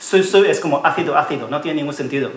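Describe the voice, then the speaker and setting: Amid noticeable background noise and audible room echo, a man talks at a fairly quick pace. His pitch is fairly high, with ordinary variation. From China, Wenzhou region. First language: Wenzhou dialect (Chinese) (speaking Spanish). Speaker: playwright and poet. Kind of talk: panel discussion. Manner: halting, with false starts.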